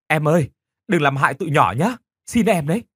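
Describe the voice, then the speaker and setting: Guilt-stricken teacher, pleading and stammering, voiced by a man; husky, animated pitch. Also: fairly quick, dry recording, studio quality. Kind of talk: horror audiobook reading.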